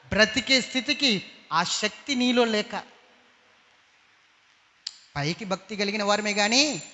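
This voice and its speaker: High bright-voiced man preaching in a hall. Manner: emphatic, rhetorical questions repeated. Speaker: pastor. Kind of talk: sermon. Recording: long hall reverb, dull lo-fi sound.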